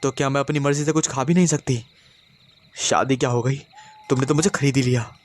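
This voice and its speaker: A man voicing a stubborn, sharp-tongued young wife in a petulant, defiant way. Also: medium pitch, steady tone, a little fast, lightly acted.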